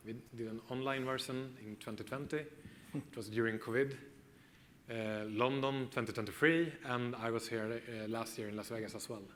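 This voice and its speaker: Swedish-accented man, mid-range voice, steady presentation, faint background hum. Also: medium pitch. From Sweden. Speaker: conference speaker. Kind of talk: conference talk. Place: conference stage.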